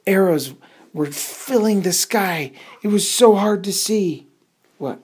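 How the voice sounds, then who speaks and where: A woman's voice: mid-range voice, lively intonation, slow pace, darkish tone, breathy edge. A woman telling a suspenseful bedtime story for children in a dramatic, improvised way, repeating words for effect.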